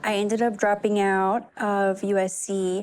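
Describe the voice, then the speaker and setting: A woman with an American accent speaks at medium pitch in a dark, mellow tone. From US South, North Carolina. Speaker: voice actress. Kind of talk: interview monologue. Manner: halting.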